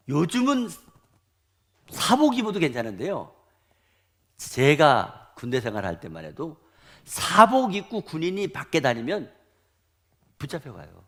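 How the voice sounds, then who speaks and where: A middle-aged male pastor preaching a sermon, telling stories in an animated way that swings between loud outbursts and quiet asides. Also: medium pitch.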